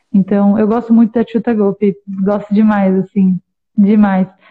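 Woman's somewhat breathy, medium-pitched voice, monotone and flat, at a moderate pace. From Portugal, Lisbon. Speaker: singing teacher. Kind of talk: casual interview.

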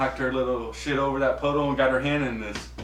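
A Texan accent at a fairly quick pace, with audible room echo and noticeable background noise. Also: man. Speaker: podcast co-host. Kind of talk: casual chat.

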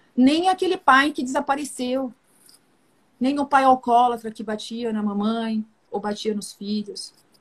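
Her intonation lively, a woman talks at a fairly slow pace. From Brazil, São Paulo. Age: 50s. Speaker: family constellation therapist. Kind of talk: live stream interview.

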